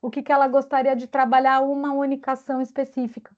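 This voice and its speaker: A woman's voice: sits high, flat delivery, fast, darkish tone. A woman coach talking casually in an online meeting, thoughtful and searching for words. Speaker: guest speaker and coach. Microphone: video call. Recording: dull lo-fi video call audio.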